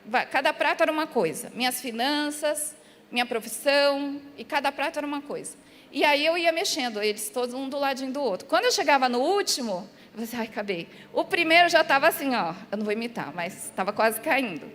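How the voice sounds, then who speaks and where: A Brazilian woman pastor preaching a sermon and telling a personal story, animated and acting out the scenes and dialogue as she goes. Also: sits high, a little fast, a little hiss or hum. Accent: Brazilian Portuguese. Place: large church hall. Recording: music under a long hall reverb.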